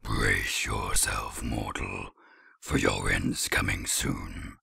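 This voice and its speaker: A man voicing a grandiose, menacing fantasy dark lord in a raspy, gravelly voice. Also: a bass voice, level tone, slow pace, voice pushed down, exaggerated voice. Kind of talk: comedic fantasy demo.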